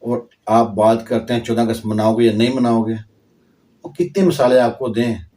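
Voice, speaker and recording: A man's voice: mid-range voice, fairly even intonation, moderate pace, warm tone, recorded from a distance. A man from Pakistan, telling history in an impassioned, earnest way and dropping in proverbs and verse. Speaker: online commentator.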